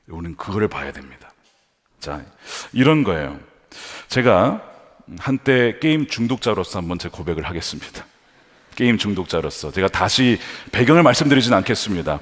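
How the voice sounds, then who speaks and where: A man preaching a sermon as pastor, asking the congregation questions and voicing imagined prayers with rising intensity. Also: lowish voice. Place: church sanctuary. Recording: reverberant church hall.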